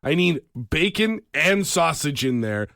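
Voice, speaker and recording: Male co-host, highish and very animated, joking banter, wry exaggeration, dry studio recording. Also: unhurried, vocal fry, no echo. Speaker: radio podcast co-host. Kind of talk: casual morning show banter.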